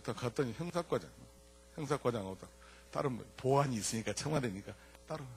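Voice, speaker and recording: Husky older man. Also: mid-range voice, quick pace. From Jeolla, South Korea. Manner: animated, swings between loud punchlines and quiet asides. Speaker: church elder giving a testimony talk. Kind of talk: lively storytelling testimony to an audience.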